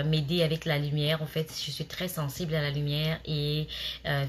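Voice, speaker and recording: A woman's voice: low-pitched, a little hiss or hum. A woman in her thirties who moved to Canada, chatting to her viewers and giving job interview tips, with many fillers and restarts. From immigrant to Canada. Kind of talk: casual advice talk to camera.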